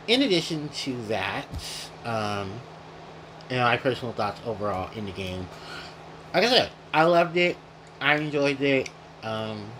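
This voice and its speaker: A man's voice: medium pitch, fairly bright tone, slight background noise, low-quality recording. A man hosting a casual gaming retrospective, rambling and correcting himself as he goes, chewing while he talks. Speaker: gaming video host.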